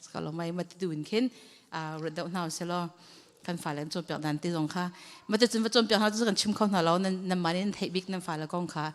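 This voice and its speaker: A woman's voice: lowish voice, quick pace. A woman leading a church training session, talking conversationally to a group. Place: church hall. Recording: long hall reverb.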